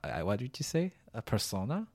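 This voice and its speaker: A man whose first language is Chinese, chatting casually and laughing, with a relaxed, slightly profane way of talking. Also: fairly quick. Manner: casual, laughing, swears lightly, animated pitch. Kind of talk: casual podcast chat.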